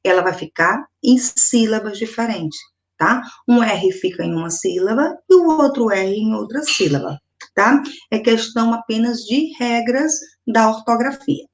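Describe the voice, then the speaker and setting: Brazilian woman teaching first graders. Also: a little high. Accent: Brazilian Portuguese. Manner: slow, emphatic, repeats example words. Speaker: primary school teacher. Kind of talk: video lesson for first graders.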